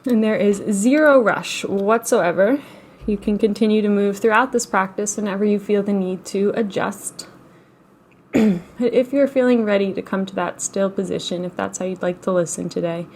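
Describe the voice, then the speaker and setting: Woman doing a guided meditation, gentle and soothing, medium pitch, takes her time w long pauses. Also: steady tone, slight background noise. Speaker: guided relaxation and meditation teacher. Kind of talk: guided meditation, slow instruction.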